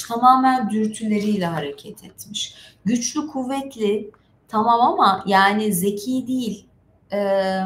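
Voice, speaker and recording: A woman hosting a casual storytelling livestream, reading aloud and commenting in a chatty, rambling, informal way. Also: on the high side. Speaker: livestream host. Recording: roomy echo, faint background noise.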